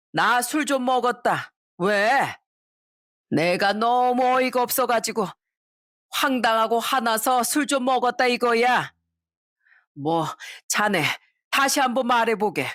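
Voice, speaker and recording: A woman's voice: on the high side, expressive, slow, fairly bright tone, no echo, clean studio sound. A woman voicing a drunk, grasping older mother-in-law who wails and drags out her words in a storybook reading. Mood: drunk taunting. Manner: slurred, wailing, dragging words.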